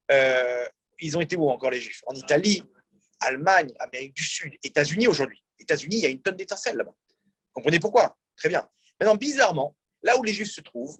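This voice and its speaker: A man's voice: high-pitched, fairly bright tone, husky, no room sound. A man, a rabbi, teaching a religious class and asking his audience questions as he explains. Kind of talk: religious lecture. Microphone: in-room mic, also streamed on a video call.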